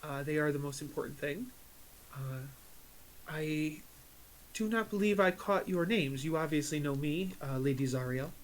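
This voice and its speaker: A woman playing a gracious, earnest holy lady in a tabletop game, speaking formally and haltingly. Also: sits low, voice pushed down, close to an everyday voice. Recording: clear background hiss and noise.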